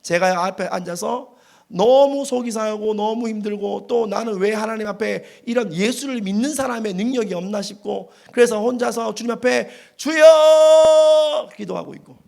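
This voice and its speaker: High, gravelly animated male preacher. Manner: animated storytelling with dramatic acted quotes. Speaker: pastor. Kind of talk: revival sermon.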